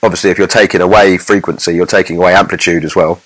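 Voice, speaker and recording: A man's voice: low voice, steady tone, fast, fairly bright tone, husky, rough recording. A man co-hosting a podcast as a mix engineer, giving casual technical explanations in an informal, rambling way full of examples.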